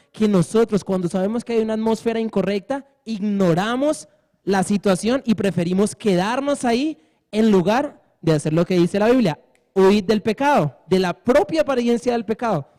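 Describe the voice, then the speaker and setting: A man's voice: high-pitched, darkish tone. A man preaching a sermon, telling stories and acting out the people in them with rising intensity. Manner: storytelling, acting out quoted voices with rising intensity.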